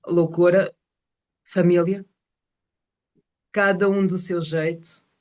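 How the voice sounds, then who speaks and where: A woman telling casual personal stories to a group on a video call, animated and often searching for words. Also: lowish voice, takes it slowly. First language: Portuguese is one of several languages spoken.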